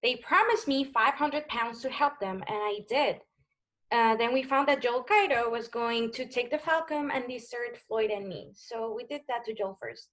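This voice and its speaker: A woman's voice: a little high, normal speed, a bit bright, natural voice. A woman playing an anxious, seductive, manipulative femme fatale in a 1940s noir radio play, coy and dramatic in her delivery. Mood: evasive. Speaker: voice actor.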